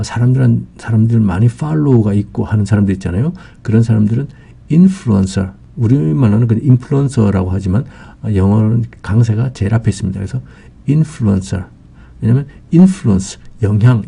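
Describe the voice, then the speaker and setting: A man's voice: lowish voice, vocal fry, warm tone, breathy edge. A man giving an English vocabulary lesson, explaining patiently with many fillers.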